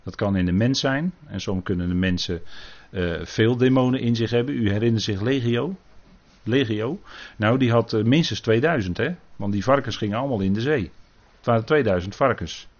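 A lowish-voiced preacher moves at a normal pace through a Bible sermon, earnest and careful, often using tag questions to make sure his listeners are following. The lo-fi recording sounds dull.

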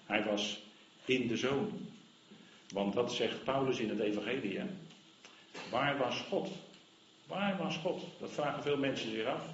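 A man preaching a sermon in an earnest, emphatic way, repeating his key phrases. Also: mid-range voice. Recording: roomy, slightly dull sound with faint noise.

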